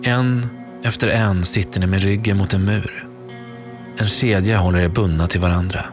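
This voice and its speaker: Male narrator, low voice, slow hushed dramatic reading, music bed underneath. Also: fairly even intonation. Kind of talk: second-person scripted audio story narration. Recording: narration over clear background music.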